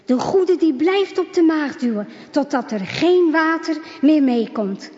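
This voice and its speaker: Slow, high-voiced woman reading a story. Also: lively intonation, darkish tone. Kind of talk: scripted narration of a religious children's story. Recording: reverberant, dull lo-fi sound.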